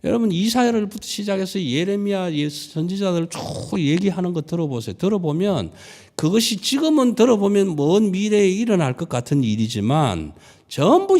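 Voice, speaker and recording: A male pastor giving a sermon in a church, animated and dramatic, often dropping to near-whispers. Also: high-pitched. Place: church sanctuary.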